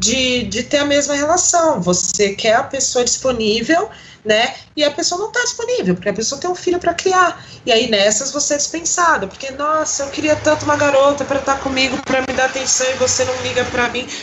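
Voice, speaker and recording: The voice moves at a fairly quick pace with lively intonation over noticeable background noise. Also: woman, high pitch for a woman. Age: 20s. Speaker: historian. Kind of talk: casual interview chat.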